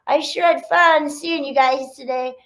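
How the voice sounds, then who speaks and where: A woman with a high-pitched voice speaks as a children's author to young listeners. She is chatty and informal, explaining things simply and directly. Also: fairly even intonation, a little slow, a bit bright. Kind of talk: casual talk to children after a read-aloud.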